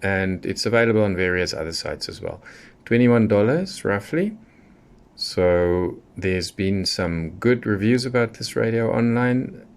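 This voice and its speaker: A man giving a casual, unscripted product review in a measured, matter-of-fact way with pauses between short phrases. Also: deep voice, vocal fry. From South Africa. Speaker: radio hobbyist presenter.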